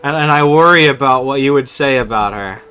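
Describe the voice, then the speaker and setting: A man's voice: mid-range voice, a little fast, sharp tone, smooth. A young man chatting casually with viewers while streaming a game, slangy, joking and sweary. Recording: game music faintly behind.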